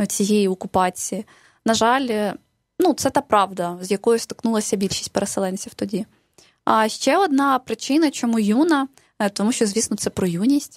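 Over a quiet background, a woman speaks in a normal speaking voice at a moderate pace, her pitch fairly high. Her intonation is lively, and the sound is dry with no echo. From eastern Ukraine, Donetsk region (Ilovaisk); Donetsk region, Ukraine. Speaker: writer; radio guest. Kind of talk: interview. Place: studio. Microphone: headset.

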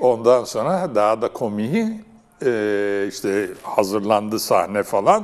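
A man with a fairly low pitch and ordinary pitch variation at a very slow pace. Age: 70s. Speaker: actor and voice actor; actor, voice actor. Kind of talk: interview. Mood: relaxed, amused storytelling. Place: studio. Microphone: lapel.

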